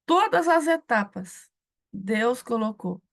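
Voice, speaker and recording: A middle-aged woman with a Brazilian Portuguese accent, preaching a testimony and acting out the dialogue in an animated storytelling manner. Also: fairly high pitch, slow pace. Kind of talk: testimony sermon.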